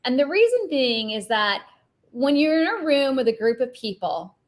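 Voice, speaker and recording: A woman film director with a light, higher-pitched voice, speaking earnestly and reflectively as an interview guest. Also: big pitch swings, moderate pace. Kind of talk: conversational interview.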